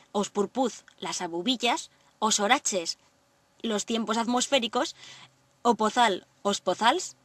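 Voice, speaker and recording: A woman's voice: medium pitch, fairly bright tone, dry recording, distant mic. Woman reading a language lesson. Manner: clear, deliberate word-by-word reading. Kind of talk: scripted lesson narration.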